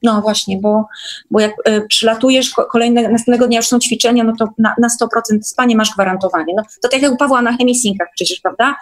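A woman's voice: on the high side, fairly even intonation, quick pace. A woman chatting casually as a guest in an online meeting, often checking for agreement.

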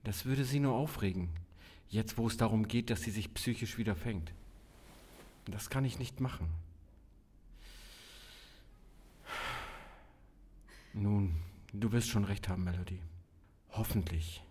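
A man's voice: fairly low pitch, moderate pace, mellow, slightly rough. An actor playing a middle-aged policeman and worried father in an audio drama. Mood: worried, subdued. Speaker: police officer in drug squad.

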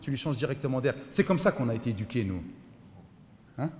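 A middle-aged man, an imam, giving an animated mosque lecture and mixing in street slang. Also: mid-range voice, fairly quick. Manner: animated preaching, mixes in street slang, voices his son and inner voices. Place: mosque hall. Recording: echoey hall.

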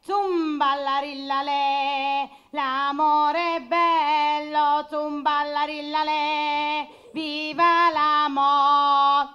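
A cheeky, lovesick male clown from a puppet show, squeaky and shrill. The voice is high and piercingly bright, with a southern Italian accent. The words are stretched out slowly in a theatrical singsong. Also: flat delivery, lo-fi sound, faint music behind, exaggerated voice. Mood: singing, plaintive. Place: puppet booth on a theatre stage.

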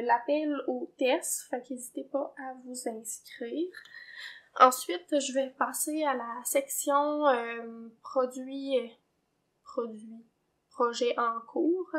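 Québécoise woman host, high-pitched, chatty, filler-heavy, casual knitting vlog. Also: steady tone, slow pace. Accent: Québécois French. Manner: chatty, many fillers and hedging tags. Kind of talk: casual chat. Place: home, indoors.

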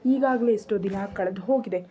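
A woman's voice: medium pitch, brisk, dark tone, close to an everyday voice. A woman voicing a proud, possessive young husband with a brusque, commanding manner, in a read-aloud romance story. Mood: angry.

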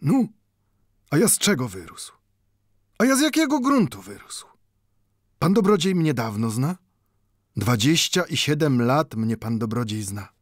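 Man voicing an old Jewish bookbinder, storybook figure, proud, broken speech with "nu", high strained voice, very dry sound. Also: big pitch swings, unhurried, long pauses, no echo. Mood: pleading. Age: older. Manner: broken Polish with a repeated "nu"; rising to heated pleading.

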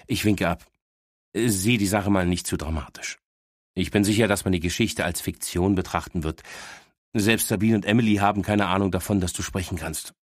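A man's voice: low-pitched, brisk, no room sound, clean studio sound. A man narrating an audiobook in the first person, wry and exasperated.

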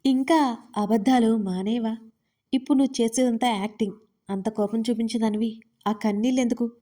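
A woman plays a possessive young husband in an audio drama, pushing hard with insistent questions. The voice stays mellow and sits on the high side. He keeps the pressure on throughout. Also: steady tone, brisk, natural voice. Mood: angry.

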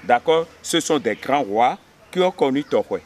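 A man in his fifties from Benin, a history teacher, telling village history in an outdoor interview, pausing on fillers and often checking he is understood. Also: medium pitch, lively intonation. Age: 50s. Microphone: camera at close range.

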